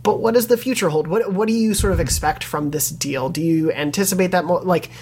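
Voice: mid-range voice, brisk, darkish tone, breathy edge. A podcast host talking through a news item in casual panel discussion, with many restarts, then passing questions to co-hosts.

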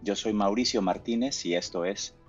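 A man hosting a podcast interview, speaking hesitantly and filling pauses with "eh". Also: lowish voice. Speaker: podcast host. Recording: dull lo-fi with faint music.

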